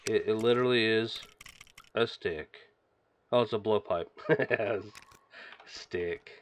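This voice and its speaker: A man hosting a gaming channel, chatting casually and reacting excitedly as he plays, sniffling from a stuffy nose. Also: fairly low pitch, a little slow, slight background noise. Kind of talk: casual game commentary.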